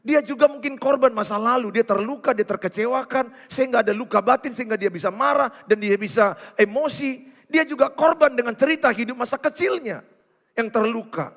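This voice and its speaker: A male pastor, preaching a teasing, animated sermon and acting out quoted voices. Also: very high-pitched, brisk. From Indonesia. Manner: lively, teasing, acts out quoted voices, swings between loud and hushed. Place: large church hall. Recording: long hall reverb.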